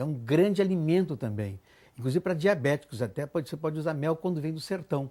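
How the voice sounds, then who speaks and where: A man's somewhat breathy, dark, mellow voice, fairly high in pitch, fairly quick, with lively intonation, in a very clean recording with a silent background. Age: 70s. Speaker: doctor. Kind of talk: TV interview.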